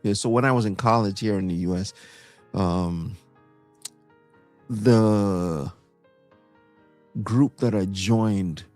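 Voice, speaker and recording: A middle-aged man from Trinidad with a Trinidadian accent, chatting casually as co-host, animated and quick to laugh, with plenty of fillers and restarts. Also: fairly low pitch, dry recording, soft background music. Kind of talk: casual chat.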